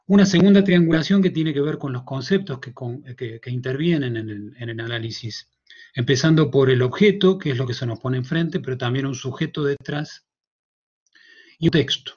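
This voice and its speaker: Hesitant Cordobés professor on a video call. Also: male voice, mid-range voice, moderate pace, a little mellow, breathy edge, lo-fi sound. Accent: Cordobés Argentine Spanish. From Córdoba, Argentina. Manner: thoughtful, hesitant, many fillers and restarts. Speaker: university professor presenting a paper. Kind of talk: conference talk. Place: small room at home. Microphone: headset.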